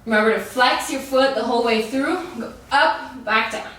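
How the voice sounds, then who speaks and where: She coaches a workout while working hard herself, staying upbeat, encouraging and casual. Her voice is on the high side and fairly bright, at a moderate pace. The sound carries echo from the room and a distant microphone.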